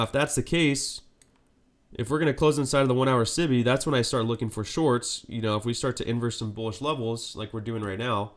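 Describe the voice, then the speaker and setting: A man with a cold and a congested voice, giving live market commentary on his stream and checking in with a frequent "right?". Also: mid-range voice. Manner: steady explanatory, frequent "right?" check-ins.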